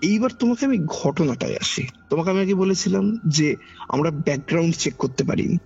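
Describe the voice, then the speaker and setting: A man with a Kolkata Bengali accent and a husky, gravelly voice recounts an eerie personal experience in a conversational, dramatic way, repeating phrases for emphasis. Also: on the high side, animated, brisk, darkish tone. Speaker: podcast guest recounting a personal ghost experience. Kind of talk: conversational ghost-story telling. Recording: dull lo-fi audio under background music. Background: background music.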